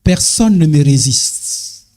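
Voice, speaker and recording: Slow threatening female viper spirit as a preacher puts her on, low drawl, sermon tale. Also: lively intonation, warm tone. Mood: menacing.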